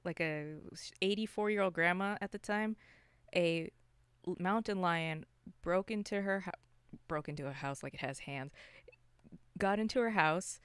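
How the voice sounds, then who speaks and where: A woman's voice: fairly low pitch, unhurried, fairly bright tone, smooth, no room sound. A woman co-hosting a podcast, chatting casually about movies in a wry, informal, rambling way. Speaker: podcast co-host.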